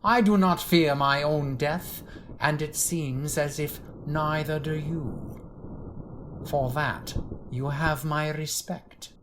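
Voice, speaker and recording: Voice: mid-range voice, takes it slowly, noisy background, natural voice. An actor playing a ruthless Nazi general in an audio drama, formal and menacingly polite. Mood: coldly courteous threat.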